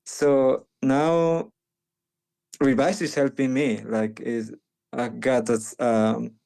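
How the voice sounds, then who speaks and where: Guest: young Panamanian man, slow and mellow, halting speech full of restarts, second-language speaker. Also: mid-range voice, little pitch movement, creaky, rough recording. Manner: halting, many restarts and fillers. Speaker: guest, medical missionary. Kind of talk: conversational interview.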